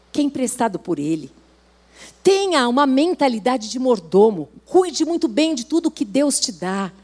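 A high-pitched woman with a Brazilian Portuguese accent delivers a sermon. She exhorts her listeners earnestly and slips into the voices of the people in her anecdotes. Her tone rises to urge them on. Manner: earnest, exhorting, acts out quoted dialogue. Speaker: preacher.

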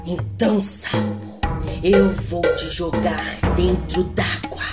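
A woman's voice: fairly low pitch, sing-song, slow pace. A woman voicing a hungry, hot-tempered snake in a children's story. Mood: menacing. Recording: music playing behind.

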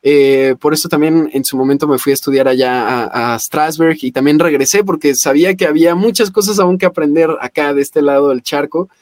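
A man's voice: on the high side, fairly quick, few pauses, darkish tone, dry recording. A young adult man, a voice actor talking as a podcast guest in an eager, rambling way full of fillers and restarts. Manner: enthusiastic, many fillers and restarts. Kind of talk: casual podcast interview.

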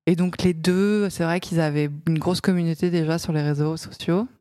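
A woman's voice: on the low side, steady tone, normal speed, mellow, dry recording, clean studio sound. A woman in her twenties from France, a fashion model, chatting as a guest in an interview with many fillers and restarts. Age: 20s. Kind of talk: casual interview chat.

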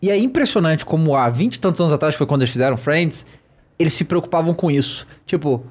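A man's voice: a little high, animated, fast. A man hosting a podcast, explaining things at length in casual chat.

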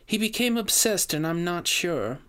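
A man's voice: high-pitched, animated, normal speed, a bit bright, voice pushed up. A man reading a storybook, voicing an anxious widow who pleads for help with an urgent manner. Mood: pleading.

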